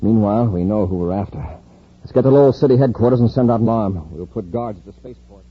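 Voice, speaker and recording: A man playing a calm, authoritative space patrol commander in an old radio drama. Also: on the low side, quick pace, breathy edge. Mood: steady. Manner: steady, authoritative. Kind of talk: 1950s radio drama acting. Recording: dull lo-fi old radio recording.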